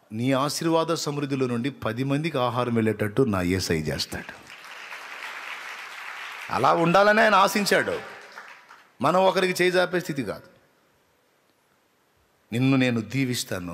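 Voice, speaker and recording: A man preaching a sermon with passion, swinging from loud, urgent appeals to soft, tearful prayer. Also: mid-range voice.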